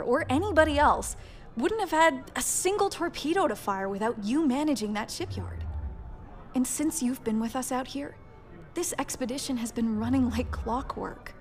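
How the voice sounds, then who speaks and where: An actress playing an earnest, supportive but firm starship captain in a science fiction audio drama. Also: female voice, on the high side. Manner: earnest, hushed at times. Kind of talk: dramatic acting.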